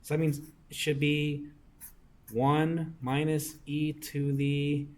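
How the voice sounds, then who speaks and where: A man's voice: a little high, completely flat delivery, slow. A young man working circuit homework problems for a class, often asking "right?" to check that students follow. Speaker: engineering discussion instructor.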